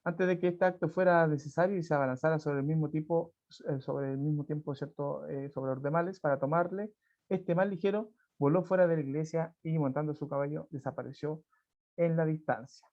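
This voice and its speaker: A Chilean man teaching a class over a video call, talking in a loose, chatty way and checking in with his students every few phrases. His voice sits a bit high for a man, with a gravelly fry. The audio is dull and lo-fi. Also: fairly even intonation, brisk, darkish tone. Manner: conversational, frequent tag questions and restarts. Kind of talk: online class, reading and explaining a folk tale.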